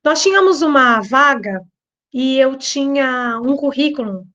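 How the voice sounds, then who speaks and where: A middle-aged woman with a Brazilian Portuguese accent tells a story in a high, bright voice. She repeats phrases for emphasis and acts out the dialogue. The recording sounds dull and lo-fi. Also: lively intonation, a little slow. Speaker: lecturer and behavioral trainer. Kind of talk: storytelling talk.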